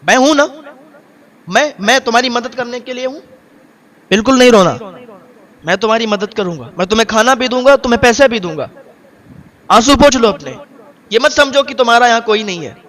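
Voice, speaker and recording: A man's voice: very high voice, lively intonation, pauses often. A man voicing a kind-hearted Christian stranger who consoles and reassures a weeping man. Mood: consoling. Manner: consoling, reassuring, gently insistent.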